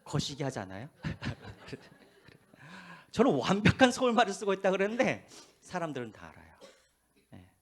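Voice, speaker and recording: A pastor preaching a sermon, telling stories with a lively voice and dropping to quiet asides, with a faint Jeolla accent. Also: male voice, high voice, moderate pace, husky. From Korea, Gwangju. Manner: animated storytelling, drops to hushed asides. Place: church.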